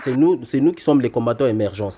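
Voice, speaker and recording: A man's voice: medium pitch, lively intonation, quick pace, darkish tone, a little hiss or hum. A man with a Congolese French accent hosting an online channel, explaining and translating a speech in a hesitant way. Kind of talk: commentary and translation.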